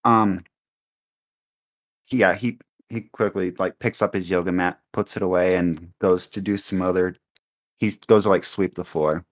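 A man's voice: low-pitched, steady tone, measured pace. A man narrating as game master in an improvised tabletop game, rambling with many ums and likes over a voice call.

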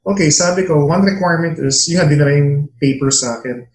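A man's voice: a little high, quick pace. Echoey Filipino man, Tagalog-English mix. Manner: mixes Tagalog and English mid-sentence. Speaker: veterinarian guest. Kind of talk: casual chat, opinions and anecdotes. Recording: roomy, echoing sound.

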